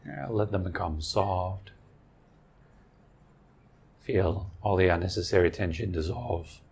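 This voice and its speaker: A man leading a guided meditation as a teacher, speaking in a gentle, soothing, unhurried way with long pauses. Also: low voice, vocal fry, slightly rough.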